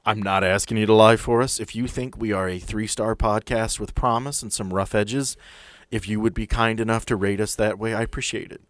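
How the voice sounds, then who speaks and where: Guy running a tabletop podcast, low voice, dry close sound, talks plain and earnest. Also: steady tone, brisk, dry recording. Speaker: game master and podcast host. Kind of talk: casual podcast chat.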